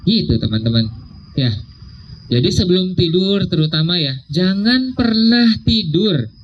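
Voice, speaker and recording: A young man giving a casual religious talk, slowing down to stress key words and checking in with "ya". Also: on the high side. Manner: conversational, drawn-out emphasis, frequent "ya". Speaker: religious speaker. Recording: dull lo-fi sound with faint noise.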